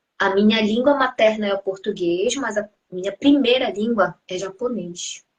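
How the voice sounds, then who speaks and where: A woman talks at a moderate pace in a fairly high, somewhat breathy voice. Her pitch varies in an ordinary way. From Japan and Belém, Brazil. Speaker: graduate student, former Japanese teacher. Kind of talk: interview. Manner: halting.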